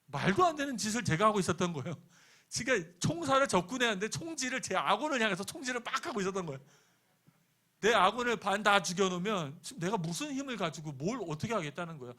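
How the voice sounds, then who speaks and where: A man's voice: high voice, bright, forceful tone. A middle-aged man preaching a sermon as pastor. He keeps asking the congregation questions and answering them himself, and tells a personal story with quoted lines. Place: church sanctuary.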